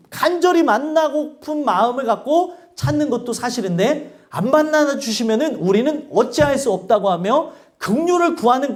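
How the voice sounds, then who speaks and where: A male pastor preaching a sermon in church, asking the congregation questions and acting out angry prayers. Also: extremely high pitch. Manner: animated preaching with acted outbursts and rhetorical questions.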